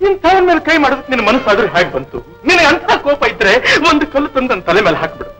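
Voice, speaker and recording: This is a gentle, deeply devout potter in a classic devotional movie. He sings and speaks with slow, fervent reverence in a high, lively voice. His tone stays bright and open. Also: faint music behind, full character voice, rough recording. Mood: pained rebuke. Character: devout potter, gentle pious village man. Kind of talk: 1970s film acting.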